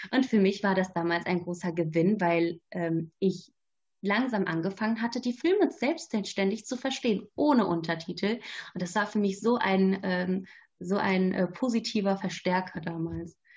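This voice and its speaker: A woman speaks at a moderate pace and medium pitch. Her voice is somewhat breathy, with ordinary pitch variation. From Germany. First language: Turkish (speaking German). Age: 20s. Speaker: teacher-training student. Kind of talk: interview.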